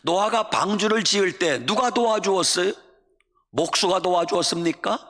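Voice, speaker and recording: Pastor guy preaching a story, fairly high voice, asks the room questions, big echoey church. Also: moderate pace. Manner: animated storyteller asking the congregation questions. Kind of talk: sermon storytelling. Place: church sanctuary.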